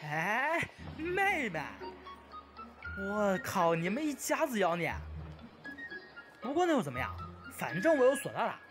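Woman playing a chatty, excitable young guy. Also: mid-range voice, a little slow, long pauses, over loud music. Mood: teasing. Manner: exclaiming, talkative. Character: chatty, hot-headed, boastful young man, playfully indignant. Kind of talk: fan audio drama dialogue.

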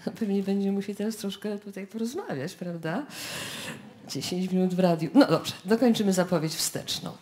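A woman's voice: mid-range voice, fairly quick. A woman hosting live radio on stage, announcing to an audience in a chatty, ad-libbing manner. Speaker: radio host. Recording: live radio stage with music and loud crowd. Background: music and audience noise.

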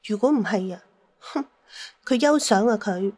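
A woman's voice: mid-range voice, lively intonation, unhurried, a little mellow, no room sound. A woman playing a shrewd, jealous, sentimental middle-aged mother in an audio drama, with plaintive, theatrical sighs. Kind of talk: Cantonese audio drama acting.

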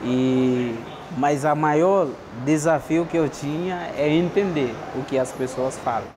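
A man's voice: on the high side, takes it slowly, background noise. A man whose first language is Spanish, speaking hesitant Portuguese as an immigrant. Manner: hesitant non-native speech. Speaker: immigrant interviewee.

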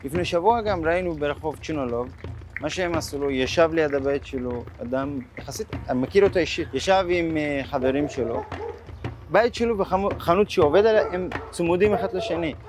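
A man's voice: on the high side, noisy background. A man in an outdoor city interview, telling his account emphatically and with agitation. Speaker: interviewee, asylum seeker community member. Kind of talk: interview talk. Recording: music bed underneath.

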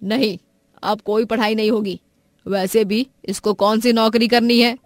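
A woman playing a strict, grumpy middle-aged mother-in-law in an animated family story, with a commanding manner. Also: fairly high pitch, unhurried, dry recording, clean studio sound, close to an everyday voice. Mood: stern disapproval. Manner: scolding, commanding.

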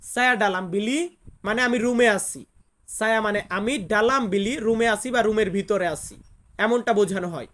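In an online language lesson, a medium-pitched woman says each phrase slowly and patiently repeats it so learners can drill it.

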